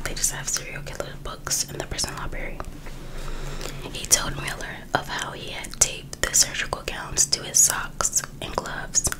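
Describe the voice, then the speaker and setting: A woman reads aloud in an unvoiced, breathy ASMR whisper, in an informal, casual way. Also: low-quality recording. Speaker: ASMR host reading a true crime book.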